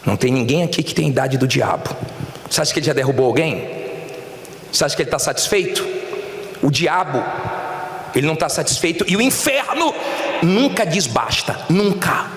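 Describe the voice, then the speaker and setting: Emphatic Brazilian preacher in an echoing church. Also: male voice, fairly high pitch, lively intonation, a little fast, long pauses, slight background noise. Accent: Brazilian Portuguese. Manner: emphatic, swings between soft asides and rising shouts, questions the congregation. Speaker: bishop preaching. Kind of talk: sermon. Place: large church hall. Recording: echoey church hall, long reverb.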